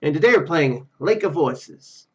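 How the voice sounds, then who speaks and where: Animated man hosting a lo-fi gaming video. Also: on the high side, unhurried, breathy edge. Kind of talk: casual let's play commentary, reading game text aloud.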